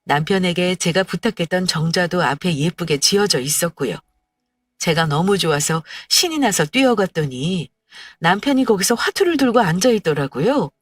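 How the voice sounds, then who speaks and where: A woman's voice: fairly low pitch, animated, moderate pace, no room sound. A woman reading a first-person story in a plaintive, scripted narration, recorded dry and slightly distant. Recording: dry, a little distant, faint music.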